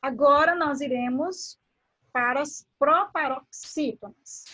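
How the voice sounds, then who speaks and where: A woman teacher from Brazil, giving a grammar lesson. She draws words out slowly and asks the class questions as she explains. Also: high-pitched, pushed and bright. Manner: slow, drawn-out word pronunciation with questions to the class.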